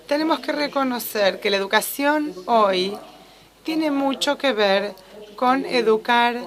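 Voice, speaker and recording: A woman interprets a lecture live, keeping a steady, fluent flow with only the odd restart. Her voice sits at an ordinary middle pitch. The sound of a gathered audience is clearly heard behind her. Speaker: simultaneous interpreter.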